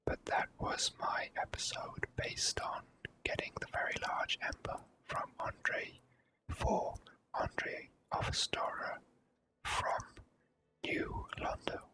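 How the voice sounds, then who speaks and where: A person whispering slow, gentle ASMR commentary while playing a video game. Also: poor audio. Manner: hushed, gentle, slow and unhurried. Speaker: video game player and host.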